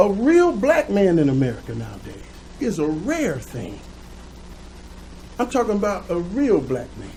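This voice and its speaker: The man speaks at a moderate pace. Audible room echo and noticeable background noise are present. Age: 60s. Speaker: former mayor and politician. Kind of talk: radio interview. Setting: radio studio. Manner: animated.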